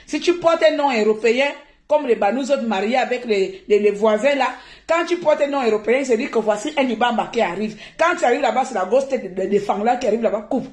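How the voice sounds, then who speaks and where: A woman from Gabon, talking on a live stream in an animated, indignant way and laughing often. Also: fairly high pitch, a little fast, echoey room.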